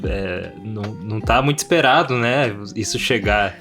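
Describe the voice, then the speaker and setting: A man's voice: lowish voice, lively intonation, moderate pace, bright, forceful tone. A man with a Brazilian accent chatting casually as a podcast co-host, informal and loosely improvised. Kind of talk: casual chat. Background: instrumental guitar music.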